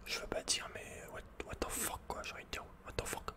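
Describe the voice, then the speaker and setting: Whispering man, ASMR gaming host. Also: fairly quick. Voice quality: breathy unvoiced whisper. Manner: informal, playful, chatty asides. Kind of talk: ASMR whispered video game playthrough.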